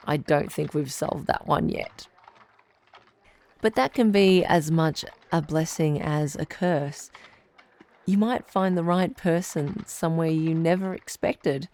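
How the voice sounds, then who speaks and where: Low-voiced woman radio advice doctor. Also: a little mellow. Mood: encouraging. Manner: reassuring, deliberate, clearly phrased. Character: calm, supportive female radio advice doctor. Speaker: radio call-in show host. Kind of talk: radio advice show, measured delivery.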